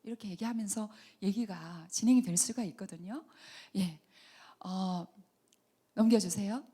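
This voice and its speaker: A middle-aged woman giving a Christian lecture on healing, talking earnestly and dropping to soft whispers for emphasis. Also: mid-range voice, measured pace, slightly rough. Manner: earnest, acts out mothers and children in quoted asides. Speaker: counseling center director giving a lecture.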